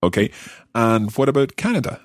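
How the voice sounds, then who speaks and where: A man hosting a podcast language lesson, speaking carefully and repeating phrases slowly for learners. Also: medium pitch, big pitch swings, dry recording, studio quality. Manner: careful, enunciating learner pronunciation. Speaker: language course host.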